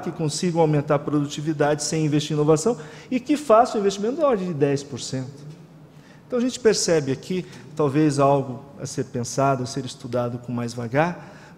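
A man's voice: on the high side, darkish tone, slight background noise. A man in his forties from Brazil giving formal, explanatory remarks as moderator at a panel table. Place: conference room with panel table. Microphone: table microphone. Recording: long hall reverb.

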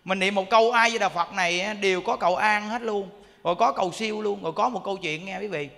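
A man's voice: sits high, quick pace, gravelly, a bit bright, big-room sound. A Buddhist monk with a Southern Vietnamese accent giving a sermon full of stories, speaking colloquially and addressing his listeners directly. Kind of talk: sermon with storytelling. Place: temple hall.

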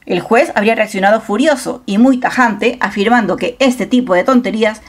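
A woman's voice: on the high side, fairly quick, husky, soft background music. A woman reading a scripted celebrity gossip news voice-over in a dramatic, storytelling manner on a close mic. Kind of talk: scripted narration.

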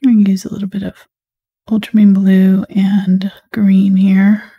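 Husky, whispering woman painting instructor. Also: mid-range voice, little pitch movement, moderate pace, dull audio. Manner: talks mostly in a soft whisper while painting. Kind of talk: live painting tutorial.

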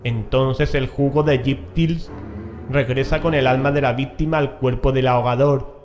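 A man's voice: medium pitch, steady tone, moderate pace, darkish tone, faint music behind. A man reading an occult text aloud as part of a scripted horror audiobook. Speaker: audiobook reader.

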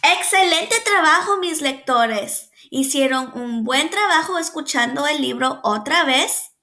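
A woman preschool teacher reads a picture book aloud at an unhurried pace, pausing to quiz her young listeners and praise their answers. Her voice sits high and sounds bright and crisp. She sounds out the animal noises with lively energy. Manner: patient, asks the children questions and praises them.

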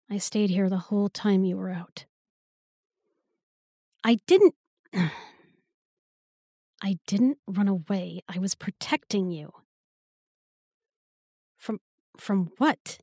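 A woman playing a guilt-ridden, protective girlfriend in an intimate audio roleplay, speaking haltingly and emotionally in a breathy, husky voice. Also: medium pitch, warm tone, no echo, studio quality. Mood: subdued, hesitant. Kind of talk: intimate audio roleplay acting, spoken to the listener.

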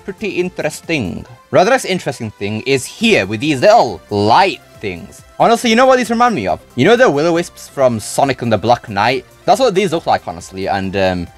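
A man's voice: medium pitch, very animated, fairly quick, few pauses, soft background music. A man giving casual, informal reaction commentary as a video creator, thinking aloud as he goes.

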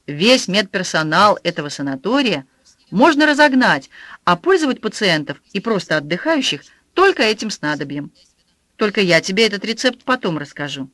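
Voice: mid-range voice, sing-song, moderate pace, pushed and bright, no room sound. An audiobook reader voicing a shy young male investigator, in a dry close recording. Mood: playful.

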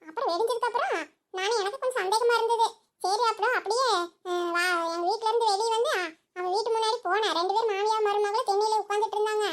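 Woman voicing Karuppayi, a shrill gossiping neighbor. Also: fairly even intonation. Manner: breathless rapid gossiping, chuckling asides. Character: gossiping nosy village woman neighbor, insistent. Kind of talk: cartoon voice acting.

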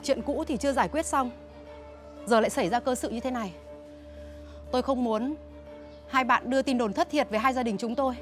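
An actress playing a fierce, protective middle-aged mother in a TV drama, scolding and shouting. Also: a little high, a little fast, long pauses, soft background music, close to an everyday voice. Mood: stern. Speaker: mother of Thi. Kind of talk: TV drama acting.

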